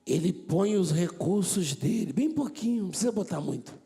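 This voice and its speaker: High, gravelly Brazilian preacher man. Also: normal speed. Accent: Brazilian Portuguese. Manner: animated, swings from hushed to shouting, acts out dialogues. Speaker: pastor. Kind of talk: preaching a sermon to a congregation.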